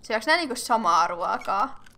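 A young woman hosting casual game commentary, chatty and excitable, thinking aloud and squealing at cute animals. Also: on the high side. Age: young adult. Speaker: gaming channel host.

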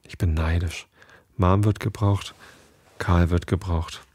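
A man hosting a sleep podcast, reading a bedtime story aloud in a calm way and now and then restarting a sentence after a slip. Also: deep voice, slow, dry recording, studio quality. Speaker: podcast host.

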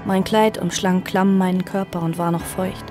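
A woman's voice: fairly low pitch, steady tone, normal speed, music in the background, close to an everyday voice. A woman playing a timid, well-bred young refugee in a horror audio drama, polite and sombre. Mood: sombre narration.

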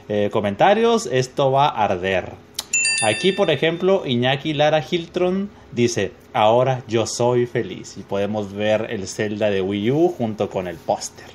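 A man's voice: mid-range voice, a little hiss or hum. Profane Mexican man reading comments. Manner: profane, joking, reads comments aloud with laughs. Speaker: gaming youtuber reading comments. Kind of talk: casual screen-reading commentary.

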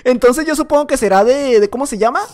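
A young man giving excitable gameplay commentary at home, chatting nonstop, repeating words and breaking into shouts. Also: extremely high pitch, fast, a little hiss or hum. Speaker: gaming YouTuber. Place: at home at night.

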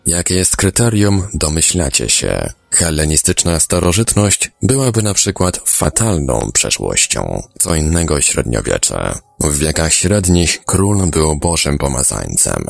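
A man reading the lines of a cold, commanding master who gives orders, lecturing in a low voice. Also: sing-song, unhurried, gravelly, no echo, exaggerated voice. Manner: authoritative, lecturing.

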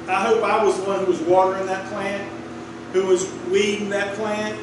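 A middle-aged male pastor with a high voice, preaching in an easy, storytelling way that draws replies from the pews. He is picked up from across a small wooden sanctuary, so the sound is very roomy and distant. A steady air-conditioner hum runs underneath. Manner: conversational storytelling preaching, asks the congregation for responses. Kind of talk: sermon. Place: small wood-paneled church sanctuary. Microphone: room mic from a distant camera. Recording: echoey room, distant mic, clear air-conditioner hum.

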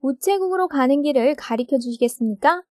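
A woman's voice: sits high, expressive, brisk, a little mellow, no room sound, clean studio sound. A woman teaching English grammar and pronunciation in a recorded video lesson, explaining step by step and checking understanding with rhetorical questions.

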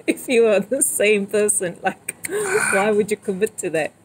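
A woman's voice: mid-range voice, moderate pace. A woman in casual conversation, an agreeable listener who chimes in often. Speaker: guest, friend of the host. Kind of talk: casual chat. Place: outdoors on a patio. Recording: faint outdoor background noise.

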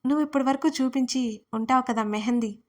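A woman storyteller voicing a shy, soft-spoken young woman in a romance audio story. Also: sits high, brisk, close to an everyday voice.

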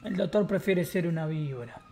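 A man's voice: fairly high pitch, fairly quick, darkish tone, slight background noise. A man with an Argentine accent, streaming in-character game role-play with brash, mocking street talk. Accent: Argentine Spanish.

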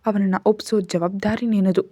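A woman's voice: mid-range voice, steady tone, a little fast, warm tone, no room sound, studio quality, lightly acted. A woman voicing a stern, threatening rich father. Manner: scolding, cold and commanding.

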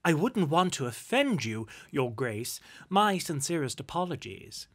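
A man's voice: on the high side, sing-song, unhurried. A man voicing a cheerful, good-hearted young nephew in a storybook, polite, earnest and a little mischievous. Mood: merry, teasing.

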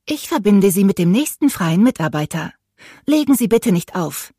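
A woman voicing a relentlessly friendly female automated phone voice, polite, measured and unflappable. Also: mid-range voice, sing-song, dark tone, breathy edge, dry recording, clean studio sound. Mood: politely robotic.

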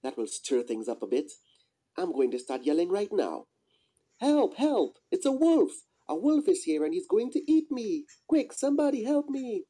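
A puppeteer voicing a mischievous, excitable young shepherd boy with exaggerated delivery in an amateur puppet show. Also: medium pitch, normal speed. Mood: panicked. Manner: exaggerated, yelping when alarmed. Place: small indoor room, behind puppet curtain.

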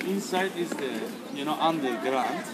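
A man's voice: a little high, moderate pace. A man with a Turkish accent, a carpet seller chatting with tourists in friendly, broken English. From Turkey. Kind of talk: casual street conversation. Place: outdoor city street. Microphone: vlogger's phone nearby. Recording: loud outdoor street noise.

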